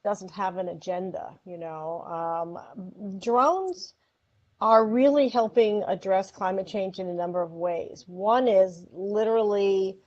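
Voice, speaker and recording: A woman's voice: mid-range voice, slow, a little mellow. A woman guesting on a video-call panel chat, talking in an upbeat, chatty way. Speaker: guest, podcast host and ESG consultant. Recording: dull lo-fi audio.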